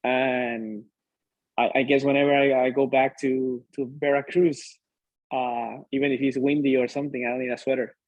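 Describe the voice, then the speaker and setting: A young man with a Mexican Spanish accent chats as an upbeat interview guest and keeps tagging his sentences with "right?". His intonation stays even and flat, with little rise and fall. The recording is dry and close. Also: mid-range voice, normal speed, dry recording, poor audio. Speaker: interview guest, PhD student. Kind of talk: casual interview chat.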